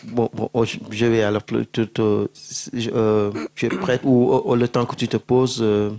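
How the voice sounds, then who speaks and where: A man moderating a panel through a handheld mic, halting and stammering as he frames his questions. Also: mid-range voice, level tone, warm tone. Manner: halting, stammering restarts, frequent backchannel. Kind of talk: panel discussion. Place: indoor stage at a public panel.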